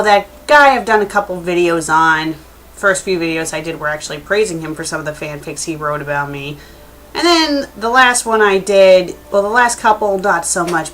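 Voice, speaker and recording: A woman's voice: on the low side, a bit bright, slight background noise, poor audio. A woman giving a casual video message as an online critic, speaking in an emphatic, indignant way. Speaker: online fan fiction critic.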